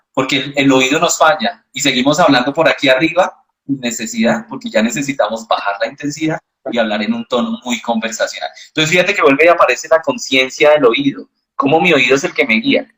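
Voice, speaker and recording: A man answering as a voice specialist in an interview, explaining patiently and teaching with examples. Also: a little high. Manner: calm, didactic, uses examples. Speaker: voice specialist guest.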